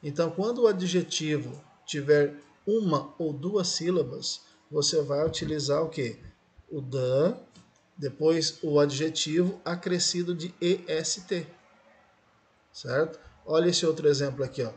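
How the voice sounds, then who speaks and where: A man's voice: on the high side, measured pace. Patient Brazilian male English teacher. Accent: Brazilian Portuguese. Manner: patient, repeats "certo?" and "ó" to check understanding. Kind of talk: recorded classroom explanation.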